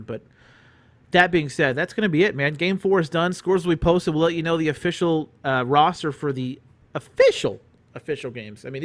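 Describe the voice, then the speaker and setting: A man's voice: on the high side, a bit bright. A man hosting an esports stream, reading results and chatting in a rambling, joking way with many restarts. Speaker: esports caster. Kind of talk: casual esports commentary.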